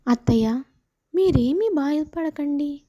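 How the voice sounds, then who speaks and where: A woman's voice: sits high, animated, slow pace, mellow. A woman voicing a worried young wife and daughter-in-law, pleading and tearful. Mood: gentle.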